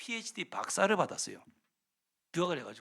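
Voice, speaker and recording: A man speaks in a raised, projected voice with an animated tone. His tone is bright and sharp. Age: 60s. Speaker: missionary preacher. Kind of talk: sermon with testimony.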